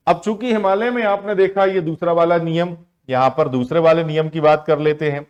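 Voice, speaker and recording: A man with a slightly high voice teaches a grammar lesson for exam prep. He keeps putting a question to his students and answering it himself, stretching out the key words as he goes. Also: clear, resonant tone. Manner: asks the class questions and answers them himself, drawn-out words.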